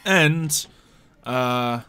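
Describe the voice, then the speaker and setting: A man's voice: mid-range voice, drawn-out words, sharp tone, clear, resonant tone. A man speaking casually as game master of a tabletop roleplaying game, narrating and chatting with players. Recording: music behind the voice. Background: music.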